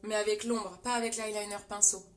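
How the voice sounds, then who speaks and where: A woman's voice: mid-range voice, steady tone, a little fast, slight background noise. A young French woman with a French accent, chatting with viewers as she hosts a live makeup tutorial. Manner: chatty, talks to viewers and reads comments. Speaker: makeup livestream host.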